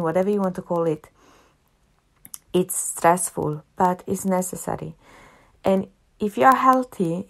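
Italian-accented woman doing a solo podcast, lowish voice, earnest, repeats herself for emphasis. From half Italian, family in Italy. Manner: earnest, repeats phrases for emphasis, some filler words. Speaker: podcast host.

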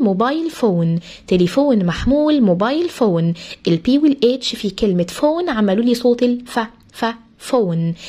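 A woman with an Egyptian Arabic accent, an English teacher who explains words to pupils and repeats each one slowly, spelling out how the sounds are said. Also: on the high side, darkish tone. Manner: addresses pupils as "kids". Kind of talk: vocabulary lesson for pupils.

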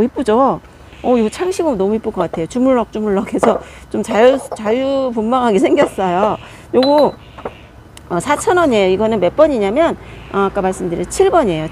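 A woman with a slightly high voice walks through a row of plant pots in a chatty, friendly sales patter. She talks easily and warmly to her viewers. Faint traffic noise sits behind her. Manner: chatty, friendly sales talk, often laughing softly. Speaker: online seller showing succulent pots. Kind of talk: live product demonstration.

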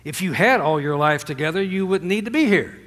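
With lively intonation and a fairly quick pace, an older pastor preaches from a church stage in a spacious sanctuary that holds a drum kit. He rises to forceful highs, sinks to murmured endings, and calls out for amens. The recording has a long hall echo.

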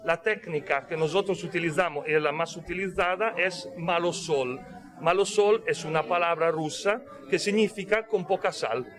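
A man speaks through a face mask, his voice sitting high for a man. He explains patiently and in detail, pausing to make sure he is followed. Loud crowd chatter from a busy shop fills the background. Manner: explanatory, checks in with "¿ok?". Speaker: caviar company representative. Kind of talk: explaining products at a tasting interview. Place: busy fish shop indoors.

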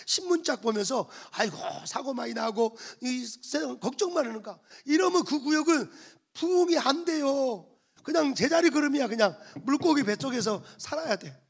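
Male pastor with a raspy voice, preaching to his church; keeps prodding the congregation for amens. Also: extremely high pitch. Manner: emphatic, repetitive prodding of the congregation. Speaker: senior pastor. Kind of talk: sermon. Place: church sanctuary.

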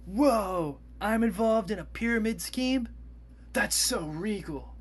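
A man's voice: high voice, lively intonation, slow, breathy edge, heavily acted. A man voicing a naive, eager cartoon salesman with theatrical, exclaiming patter. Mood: gleeful surprise. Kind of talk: animated cartoon voice acting demo.

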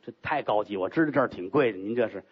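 A man voicing a haughty, commanding rich young concubine, speaking low and cool in a storytelling act. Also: expressive, fast talker, husky, muffled recording. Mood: polite, probing.

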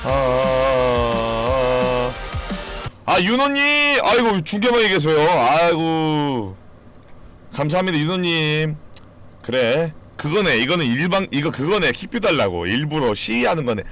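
Animated man streaming, swearing freely. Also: a little high, unhurried, soft background music. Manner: swears freely, jokes with chat, sudden loud outbursts. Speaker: game streamer. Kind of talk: casual live-stream chat.

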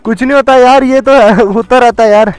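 A man motovlogging outdoors by a road, talking excitedly to camera and laughing often. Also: very high voice, fairly quick, clean tone, dry recording, faint music behind. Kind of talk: casual outdoor vlog talk to camera.

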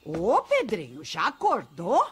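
A woman voicing a good-natured, patient older cook in a cartoon, with expressive, homely coaxing. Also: medium pitch, takes it slowly, slightly rough, exaggerated voice. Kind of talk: animated children's cartoon acting. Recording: music under the voice.

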